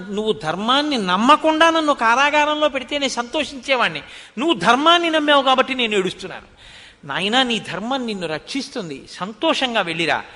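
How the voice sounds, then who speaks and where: A man's voice: high voice, bright, forceful tone, pitched above the performer's own voice. A man telling of an aged king begging his son. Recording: long hall reverb.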